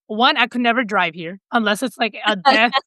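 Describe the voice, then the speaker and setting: A woman's voice: fairly high pitch, moderate pace, pushed and bright, dry recording. A woman hosting a podcast, talking in a casual, chatty way with rambling asides and laughs. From Dominican heritage, US-raised. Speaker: podcast host. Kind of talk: casual interview chat.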